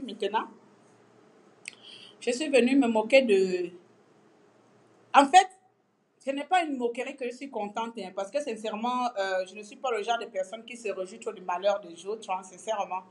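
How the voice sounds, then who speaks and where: Gabonese woman, slightly high voice, mocking, lively home vlog rant. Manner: mocking, animated, breaks into song. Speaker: vlogger. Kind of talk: casual political rant.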